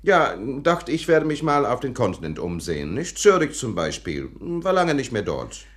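An actor playing a wisecracking hard-boiled investigator, wry, slangy and offhand, in a radio crime drama. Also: male voice, mid-range voice, big pitch swings, normal speed, husky. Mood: flippant.

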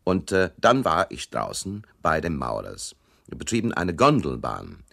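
A deep-voiced, cocky hard-boiled sleuth. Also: male voice, sing-song, unhurried, gravelly, a bit bright, exaggerated voice. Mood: wry narrating. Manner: wry, slangy, offhand. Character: wisecracking hard-boiled male investigator, cocky and flippant. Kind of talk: radio crime drama, narration and dialogue.

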